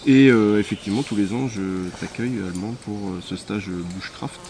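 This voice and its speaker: A man's voice: on the low side, brisk, a little mellow, slight background noise. A man who leads a volunteer sports group, answering interview questions outdoors in a hesitant way with frequent fillers. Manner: hesitant, many "euh" fillers. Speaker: volunteer sports association president. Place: outdoors at a rural hamlet.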